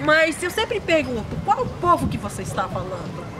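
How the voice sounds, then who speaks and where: An animated tone comes through at a moderate pace over noticeable background noise. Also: woman. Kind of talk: casual interview. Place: garden.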